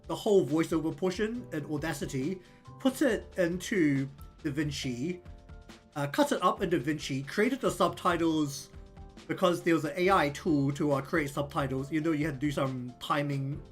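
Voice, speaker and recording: A man's voice: fairly high pitch, normal speed. A man with a New Zealand accent chatting casually on his livestream, rambling with lots of ums and likes. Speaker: streamer and artist. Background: faint lofi music.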